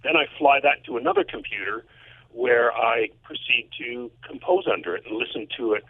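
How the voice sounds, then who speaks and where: A man heard over a thin, band-limited phone connection, with a husky, rough edge to his medium-pitched voice. He explains his work casually as an interview guest. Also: wildly swooping pitch, normal speed, dry recording. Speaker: composer and audio mixer, remote guest. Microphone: phone or remote call. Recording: tinny, narrow telephone line.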